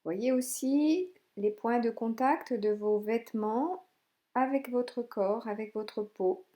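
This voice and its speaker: A woman guiding a yoga nidra relaxation as instructor, speaking in soothing, gentle, unhurried instructions with pauses. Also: on the high side. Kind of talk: guided relaxation meditation.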